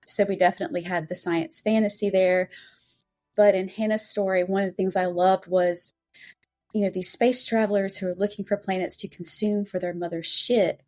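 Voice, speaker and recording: A woman's voice: mid-range voice, steady tone, moderate pace, darkish tone. A woman hosting a podcast interview, talking casually and effusively. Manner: effusive, gushing. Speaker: podcast host and anthology editor.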